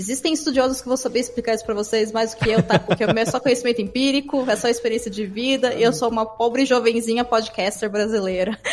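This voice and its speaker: The speech runs very fast with hardly any pauses and fairly even intonation, against noticeable background noise. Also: woman, fairly high pitch for a woman. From interior of São Paulo state, Brazil (São Carlos). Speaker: podcaster and podcast producer. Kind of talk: casual interview conversation.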